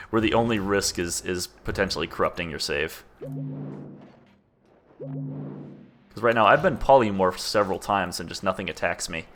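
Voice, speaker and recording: Low-voiced, monotone male game streamer. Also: moderate pace, long pauses, a little hiss or hum. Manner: monotone, laid-back. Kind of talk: casual gameplay commentary.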